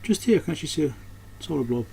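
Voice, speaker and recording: Man thinking aloud, clearly noisy recording. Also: a little high, very animated, racing, warm tone. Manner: unscripted, thinking aloud while working. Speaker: host of an electronics repair channel. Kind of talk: casual hands-on repair commentary.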